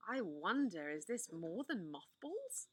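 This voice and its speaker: A woman reading a storybook aloud, voicing a curious young girl in a hushed, wondering way. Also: medium pitch, big pitch swings, slow, husky, no room sound, exaggerated voice.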